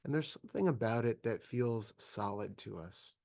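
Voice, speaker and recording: Low-voiced man guiding a meditation, close and dry. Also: gravelly, no echo. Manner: calm, measured, with long pauses. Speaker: meditation teacher. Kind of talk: slow guided meditation.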